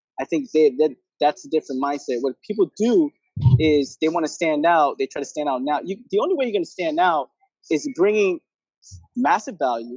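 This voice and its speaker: In a New York accent, a man talks at a fairly quick pace. His fairly high pitch moves with lively intonation. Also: dry, close sound with no echo. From New York, the Bronx. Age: 20s. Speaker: entrepreneur. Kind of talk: podcast interview. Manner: energetic.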